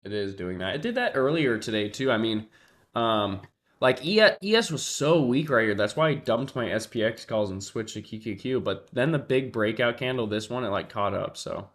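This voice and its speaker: On his livestream, a stuffy-nosed trader chats casually in a mid-range, expressive voice at a moderate pace. He's congested and sniffling, thinks out loud, addresses his chat and often lets sentences trail off.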